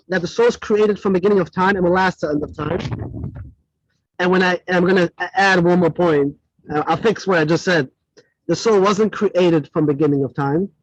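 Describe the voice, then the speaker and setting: An animated man from Switzerland, who isn't a native English speaker, teaches a class in a lecture that takes audience questions. His slightly rough voice sits high, and he corrects himself and makes chatty asides. The recording is dull, lo-fi and dry.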